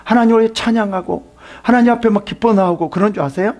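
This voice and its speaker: A man's voice: sits high, fast talker, a little mellow. A middle-aged male pastor who preaches a sermon emphatically and uses rhetorical questions.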